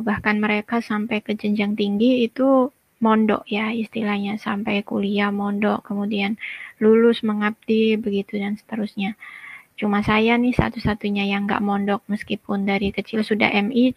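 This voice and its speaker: A woman's voice: mid-range voice, gravelly, dry recording, dull audio. A woman in her thirties telling her personal testimony in a conversational way, with frequent fillers and direct asides to listeners. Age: 30s. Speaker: testimony guest.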